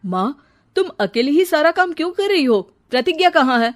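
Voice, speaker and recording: A woman's voice: high voice, big pitch swings, moderate pace, voice pushed up. A woman voicing a young man who complains to his mother and scolds his wife in a cartoon story. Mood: concerned. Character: young man, annoyed grown son.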